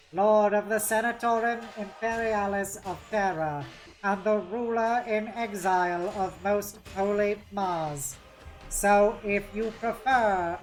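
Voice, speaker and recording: A woman voicing a smooth, patronizing male cyborg priest in a novel read-aloud, with unctuous, falsely polite formality. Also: medium pitch, close to an everyday voice, rough recording. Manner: unctuous, slow, politely condescending.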